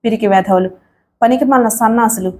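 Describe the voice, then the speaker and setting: A woman's voice: fairly high pitch, a little fast, a little mellow, slight background noise, natural voice. A woman reading a sneering villain man. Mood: angry. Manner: taunting, sneering. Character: menacing young male villain, lustful and arrogant.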